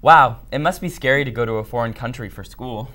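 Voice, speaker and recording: A teenager co-anchoring a school news show with lively, playful delivery. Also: female voice, a bass voice, a little fast. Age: teens. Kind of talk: scripted anchor banter.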